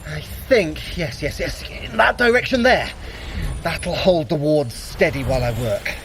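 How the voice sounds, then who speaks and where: A man's voice: a little high, expressive, unhurried, slight background noise. An actor playing a wry, clever Norse trickster god in an audio adventure drama, theatrical and precise in his speech. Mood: urgent, excited. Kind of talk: scripted audio drama acting.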